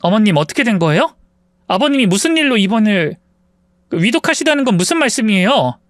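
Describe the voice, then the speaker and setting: Indignant hurt wife, a man voicing her, high voice, dry close mic. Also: sing-song, fairly quick, a bit bright, no echo. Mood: worried. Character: hurt middle-aged wife and mother.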